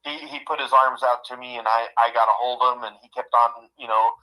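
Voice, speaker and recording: A man of about fifty with a bright, forceful voice who talks in a heartfelt, halting way, doubling back on his words. He shares a personal story over what sounds like a phone-line call. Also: medium pitch, little pitch movement. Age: 50s. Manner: heartfelt, halting, repeats himself. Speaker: guest.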